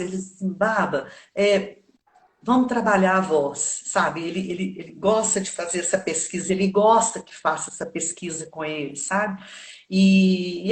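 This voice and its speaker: Woman voice coach thinking out loud, keeps tacking on little questions, roomy echo on a video call. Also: mid-range voice. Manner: reflective, thinks aloud with frequent tag questions. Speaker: voice coach for theatre. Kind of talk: casual interview chat.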